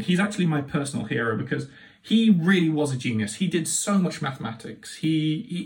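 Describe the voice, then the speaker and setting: Higher-voiced man, enthusiastic academic explainer. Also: far from the mic. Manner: enthusiastic, emphatic, conversational explaining. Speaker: university lecturer.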